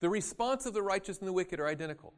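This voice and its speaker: A man preaching a sermon, acting out quoted voices and swinging from loud emphasis to quiet asides. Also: high-pitched, animated, very fast, clear, resonant tone. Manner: dramatic, acts out voices in quoted scripture.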